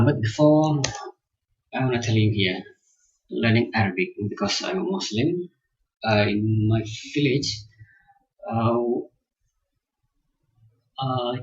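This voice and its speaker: A man who speaks English as a fourth language tells about his own learning in a hesitant way, with many pauses and fillers. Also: lowish voice, husky, no room sound, lo-fi sound. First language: not English (English is his fourth language). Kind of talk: casual personal account.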